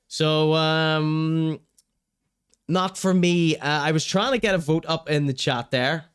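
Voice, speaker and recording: Here the young Northern Irish stream host has a fairly high, smooth voice. He works through chat comments with wry, blunt opinions, cursing casually and cracking himself up.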